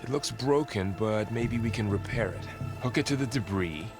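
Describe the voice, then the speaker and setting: An actor playing an earnest, loyal tribal warrior in a video game, plain-spoken and a little cautious. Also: male voice, on the low side, normal speed, music in the background, close to an everyday voice. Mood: curious, helpful. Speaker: game companion character. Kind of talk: naturalistic video game cutscene acting.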